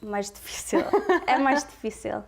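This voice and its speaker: A young woman from Montreal being interviewed, nervous, pausing to search for words and laughing often. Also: on the high side, expressive, creaky. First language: Portuguese, alongside Italian, French, English. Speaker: interview guest, television station employee. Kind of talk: casual interview.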